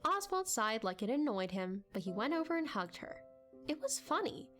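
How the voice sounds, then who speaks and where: High-pitched, animated woman narrator. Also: moderate pace, faint music behind. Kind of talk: expressive dramatic audiobook narration.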